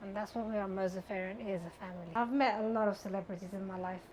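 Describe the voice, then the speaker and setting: A woman's voice: medium pitch, quick pace, slight background noise. A middle-aged woman whose first language is Persian, a jewellery business owner telling stories in a chatty interview. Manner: chatty storyteller, lively when recounting. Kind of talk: interview conversation.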